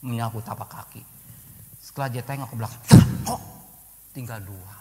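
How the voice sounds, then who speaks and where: An older male pastor giving an emphatic sermon, swinging between loud exclamations and quiet asides. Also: mid-range voice, normal speed, slight background noise. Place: church hall. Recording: long hall reverb.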